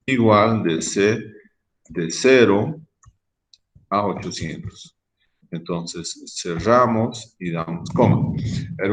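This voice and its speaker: A man with a somewhat low voice teaches statistics in a screen-recorded tutorial. He thinks aloud as he types, pausing on fillers and checking in with tag questions. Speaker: statistics instructor.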